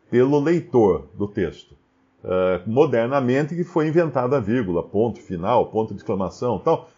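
A Brazilian Portuguese-accented man explains Scripture in a lively, swinging voice. He fires off rhetorical questions and keeps restarting his sentences. His tone is mellow, and the recording sounds a bit dull and lo-fi. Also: medium pitch. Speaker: Bible commentator. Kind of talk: Bible study commentary.

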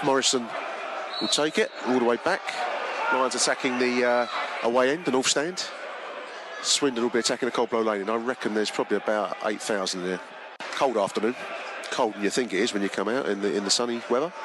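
A man's voice: fairly low pitch, noisy background. Podcast host, male, nasal from a head cold, chatty fan commentary recorded in the stands. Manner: chatty, rambling asides to the listener. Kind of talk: casual matchday commentary from the stands. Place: football stadium stands, outdoors.

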